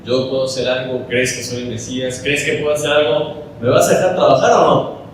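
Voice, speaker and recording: A man with a Mexican accent voicing a calm, patient man in a sermon story, in a soft, coaxing tone. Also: medium pitch, brisk, a little hiss or hum, lightly acted. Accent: Mexican Spanish. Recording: echoey hall from a distant mic.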